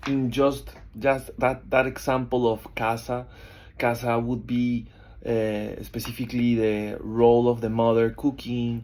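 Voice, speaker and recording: A man with a Colombian accent talks at a fairly slow pace in a medium pitch, his intonation monotone and flat. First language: Spanish. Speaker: theology student. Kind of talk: class presentation. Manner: halting.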